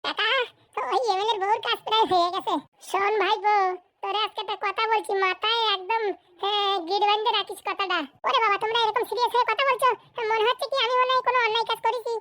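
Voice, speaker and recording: A man voicing bickering, folksy village men in a comedy cartoon, with a rural Bengali accent and a pitched-up voice. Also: flat delivery, quick pace, pushed and bright, no room sound. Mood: earnest, folksy. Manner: folksy, teasing, exclamatory.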